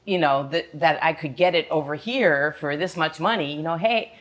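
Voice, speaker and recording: A woman guest in a casual chat who laughs often and chimes in with quick agreement. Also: sits low.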